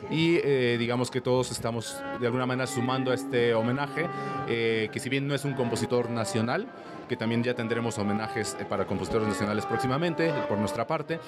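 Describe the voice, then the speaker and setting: Conductor guy, lots of ehs, thoughtful, music going clearly behind him. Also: medium pitch, brisk. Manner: thoughtful, hesitant with many fillers. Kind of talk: interview answers.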